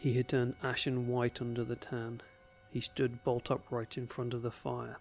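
This is someone reading aloud. They do it in a natural voice.

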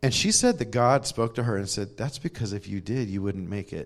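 This man has a plain, everyday voice with an American accent. He talks at a moderate pace with lively intonation. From California. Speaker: pastor. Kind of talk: sermon.

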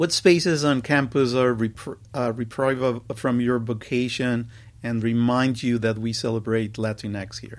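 Speech comes with a Spanish accent and fairly even intonation. The pace is fairly slow. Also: man, medium pitch for a man. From Mexico City. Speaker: podcast interviewer. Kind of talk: interview. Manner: hesitant, many fillers.

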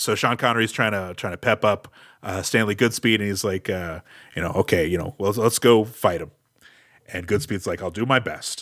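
A man talks at a moderate pace with a fairly low pitch and an animated tone. The recording is very clean, with a silent background. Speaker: podcast host. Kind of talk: casual comedic chat. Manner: joking, animated.

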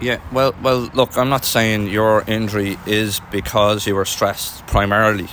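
Over noticeable background noise, a man with an Irish accent talks at a moderate pace in a fairly low pitch with fairly even intonation. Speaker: physiotherapist. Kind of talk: casual interview.

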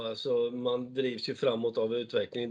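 His intonation is monotone and flat as a man talks at a medium pitch and a moderate pace. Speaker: podcast co-host, tool salesman. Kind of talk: casual chat.

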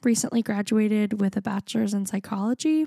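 This woman has an unremarkable speaking voice, with ordinary pitch variation and a moderate pace. The recording is very clean and dry, a close sound with no echo and a silent background. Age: 20s. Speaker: podcast co-host, therapist in training. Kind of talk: casual chat.

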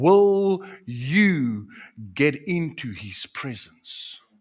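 A man speaks with a South African accent and very wide pitch swings. The recording is very clean with a silent background. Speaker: pastor. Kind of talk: sermon.

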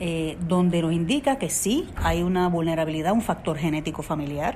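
A woman speaks at a medium speed. A fair amount of noise can be heard behind her. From Puerto Rico. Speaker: clinical psychologist and tai chi teacher. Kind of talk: interview.

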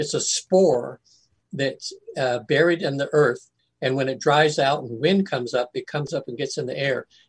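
Somewhat breathy, a man speaks at a fairly high pitch and a moderate pace. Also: ordinary pitch variation. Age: 70s. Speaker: hypnotherapist. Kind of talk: casual chat. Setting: video call.

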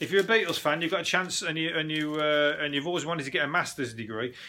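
This man has a fairly high pitch and a bright, sharp tone, speaking with a Birmingham accent. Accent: Birmingham (Brummie) English. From Birmingham, West Midlands. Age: adult. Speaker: podcast host and comedian. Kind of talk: casual solo commentary.

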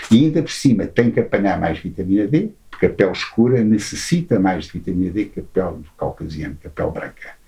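A dark, mellow, somewhat breathy tone with very wide pitch swings at a very fast pace. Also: man, fairly low pitch for a man. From Portugal. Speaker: medical doctor and author. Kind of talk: interview conversation. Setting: library recording room.

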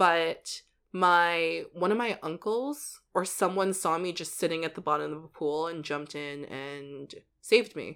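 A woman with a normal speaking voice and a Canadian accent, fairly low-pitched with ordinary pitch variation, on a very clean recording with a silent background. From Philippines, raised in Toronto. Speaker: podcast co-host. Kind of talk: casual chat.

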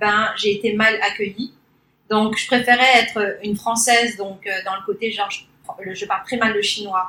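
Bright and sharp in tone, a woman's fairly high voice keeps a fairly even intonation. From Paris, France. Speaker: podcast guest. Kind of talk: casual chat. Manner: hesitant with many fillers.

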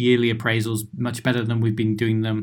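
On a very clean recording with a silent background, a man with an English accent speaks at a moderate pace in a medium, somewhat breathy voice. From England. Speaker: podcast host. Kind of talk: interview conversation.

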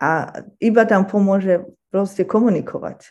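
A woman talks in a dark, mellow tone. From western Slovakia, near Trnava. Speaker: missionary and humanitarian aid worker. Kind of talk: interview.

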